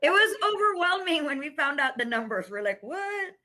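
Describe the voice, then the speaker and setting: A woman with a high-pitched, bright voice speaks in a casual, chatty style. She sounds like a community fundraiser talking informally with a colleague. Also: very animated, moderate pace. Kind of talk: casual chat.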